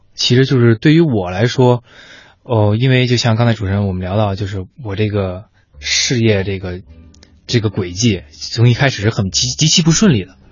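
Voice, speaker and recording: Fairly low male pitch, somewhat breathy, with ordinary pitch variation and a moderate pace. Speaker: independent photographer. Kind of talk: radio interview. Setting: radio studio.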